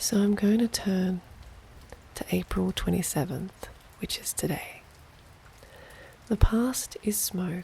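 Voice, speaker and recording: A soft-spoken woman talks at a very slow pace in a calm tone. Noticeable background noise sits behind her. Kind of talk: reading from a book of wisdom, affirmation reading. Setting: rain sounds in the background. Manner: soft-spoken, calm.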